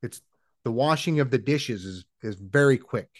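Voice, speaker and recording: Guy on a podcast, mid-pitch, dead dry mic, slow deadpan storytelling. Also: no echo. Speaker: podcast co-host. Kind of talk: casual chat.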